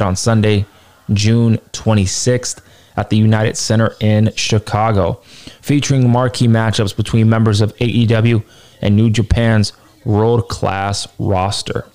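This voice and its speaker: A man with a hoarse, tired voice reads a wrestling announcement aloud, then gives his opinion with emphatic repetition. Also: on the low side, darkish tone. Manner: emphatic, repeats points for stress. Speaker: wrestling news commentator.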